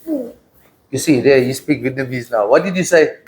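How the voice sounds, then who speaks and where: A man's voice: mid-range voice, big pitch swings, normal speed, slight background noise. A man with a South African accent, teaching an English class in casual talk and often checking in with his students. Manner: patient, checks in often with questions.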